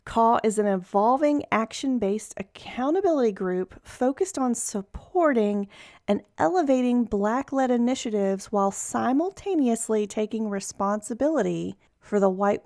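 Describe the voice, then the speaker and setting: A woman's voice: mid-range voice, a little mellow, no echo, clean studio sound. A woman hosting a podcast, reading promos and interviewing a guest with an upbeat, enthusiastic delivery. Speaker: podcast host.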